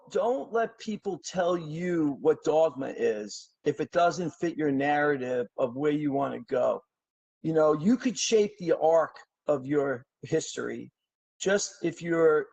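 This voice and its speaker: A man's voice: on the high side, lively intonation, measured pace, vocal fry, a little mellow, muffled recording. A middle-aged man from New York City, a podcast guest who tells long stories in a rambling, talkative way, full of fillers and restarts. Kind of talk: casual interview storytelling.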